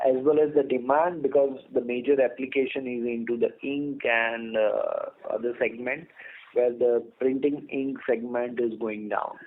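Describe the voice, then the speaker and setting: A man with an Indian accent, a company executive methodically explaining answers on an earnings call. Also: medium pitch. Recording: tinny narrowband phone line.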